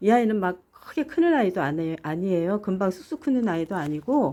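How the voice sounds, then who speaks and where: A woman with a dark, mellow tone speaks at a moderate pace, her pitch swinging very widely. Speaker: gardening channel host. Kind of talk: gardening tutorial. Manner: casual, chatty.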